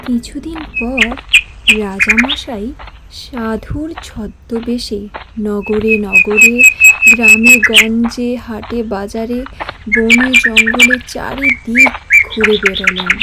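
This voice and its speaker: A woman's voice: a little high, very noisy. A woman narrating a scripted children's cartoon story as a storyteller.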